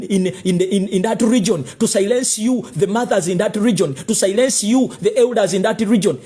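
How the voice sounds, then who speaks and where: A man with a Ugandan English accent delivering a heated political rant to camera, accusing his listeners and firing off repeated rhetorical questions. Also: sits high. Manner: rising to near shouts. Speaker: political commentator.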